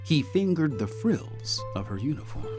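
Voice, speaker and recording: A man narrating a scripted audio mystery drama as a polished, deliberate storyteller. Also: fairly high pitch, big pitch swings, music in the background. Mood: storytelling.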